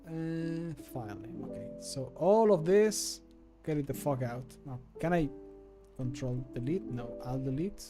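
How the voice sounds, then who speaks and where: Slightly high-voiced man chatting on stream. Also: a little slow, music in the background. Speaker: streamer and amateur voice actor. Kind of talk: casual livestream chat while working. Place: small home room, indoors.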